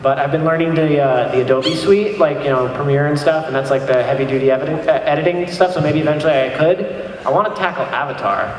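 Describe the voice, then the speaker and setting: A man's voice: a little high, fast. A man chatting casually as a panelist at a convention. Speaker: panelist, video editor. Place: large convention panel room. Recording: distant echoey hall, clear background noise.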